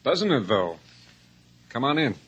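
An actor playing a sardonic escaped convict in a radio drama, mock-friendly and silkily taunting. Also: male voice, mid-range voice, sing-song, unhurried, a bit bright, breathy edge, muffled recording, full character voice. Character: escaped convict, sardonic, falsely hospitable gunman. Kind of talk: 1950s radio drama acting. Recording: noisy old radio recording.

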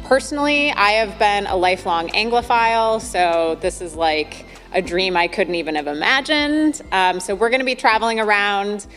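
A woman's voice: mid-range voice, moderate pace, hardly any pauses, fairly bright tone, soft background music. Chatty Midwestern American woman in a hall. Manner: enthusiastic, chatty, with fillers. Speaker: podcast host. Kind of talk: podcast intro monologue. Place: arts centre venue. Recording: long hall reverb.

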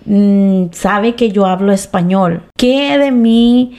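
A woman's voice: medium pitch, takes it slowly, dark tone. A woman co-hosting a podcast in casual chat, mixing English fillers into her Spanish. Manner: mixes English fillers into Spanish, laughs easily. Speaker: podcast co-host.

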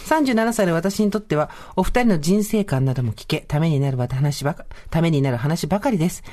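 A woman podcast co-host in casual chat, animated and quick, often slipping into playful voices. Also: sits low.

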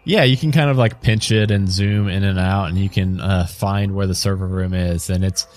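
Low-voiced laid-back game master. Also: male voice, moderate pace, darkish tone. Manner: casual, loose, filler-heavy narration. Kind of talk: narrating a tabletop game.

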